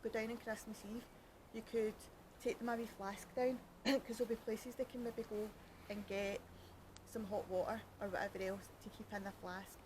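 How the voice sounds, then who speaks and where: A cold Scottish podcast host, fingers freezing, chats outdoors by a canal at night in her Glaswegian accent, rambling, joking and poking fun at herself. Her voice is mid-range and level, at a moderate pace, with a noisy background.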